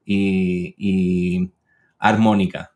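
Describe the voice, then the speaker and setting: Playful, friendly interviewer. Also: male voice, low-pitched, little pitch movement, very slow, a little mellow. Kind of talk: conversational interview.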